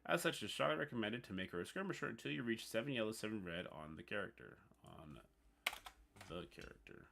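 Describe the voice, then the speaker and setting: Man, Newfoundland accent, low pitch, bright tone, streamer reading text aloud and chatting casually. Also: animated, vocal fry. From Newfoundland, Canada. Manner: reads on-screen text aloud haltingly, chats with viewers. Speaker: livestream host. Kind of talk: casual livestream chat.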